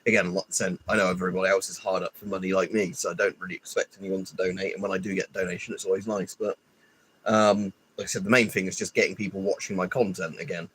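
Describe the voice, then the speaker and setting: A man's voice: low voice, level tone, fast talker, fairly bright tone, slight background noise, poor audio. A man rambling and grumbling through a casual live stream, stuffy with hay fever and swearing often. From United Kingdom. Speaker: livestreamer.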